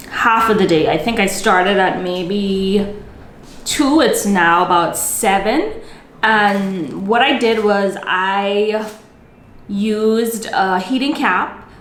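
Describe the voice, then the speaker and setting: A young woman casually talking through her hair-care routine for a vlog, chatty and often correcting herself mid-sentence. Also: mid-range voice. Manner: chatty, self-correcting, talks through each step. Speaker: beauty vlogger. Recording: echoey home room, faint ambient noise.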